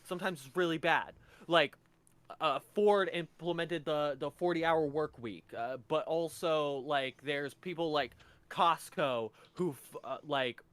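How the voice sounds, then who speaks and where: A man's voice: a little high, measured pace, a bit bright, clear, resonant tone, no room sound. A young man in a casual, joking, profane podcast chat, reading quiz statements aloud and riffing on them. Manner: laid-back, profane, joking. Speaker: podcast co-host.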